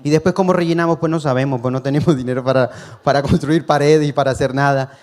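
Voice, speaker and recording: A man's voice: mid-range voice, steady tone, fast, a little mellow. A man preaching a sermon, earnest and personal, telling his story to the congregation, calling them brothers and chuckling now and then. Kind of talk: sermon testimony.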